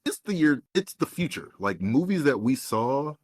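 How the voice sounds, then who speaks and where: A man co-hosting a podcast in casual chat, telling stories in a relaxed way and often quoting others. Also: mid-range voice, moderate pace, dry recording, clean studio sound. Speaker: podcast co-host.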